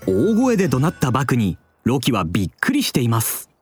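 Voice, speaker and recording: A man narrating a children's storybook drama in an expressive, drawn-out, dramatic manner. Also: medium pitch, breathy edge, faint music behind.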